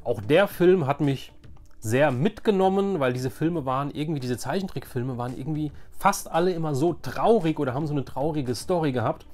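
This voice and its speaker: A man's voice: on the high side, a little fast, darkish tone. A man in his forties from Germany hosting a casual, nostalgic show-and-tell, speaking in a rambling, repetitive, hesitant way. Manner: hesitant, rambling, repeats phrases. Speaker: YouTube host showing childhood collections.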